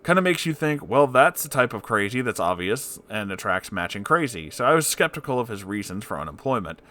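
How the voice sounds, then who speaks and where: A man narrating an online story aloud in a dramatic, expressive way, with candid and sweary interjections. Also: medium pitch, a little fast.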